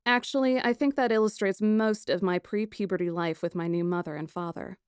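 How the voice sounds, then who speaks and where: A woman playing a plucky, sarcastic kidnapped young woman who narrates her ordeal in a first-person audiobook, wry and expressive. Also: mid-range voice, brisk, clear, resonant tone, dry recording, clean studio sound, lightly acted.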